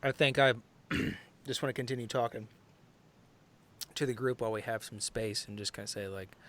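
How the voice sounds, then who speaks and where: A man playing a tabletop game, talking casually and hesitantly, often hedging and dropping to hushed tones in character. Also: medium pitch, moderate pace. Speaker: player.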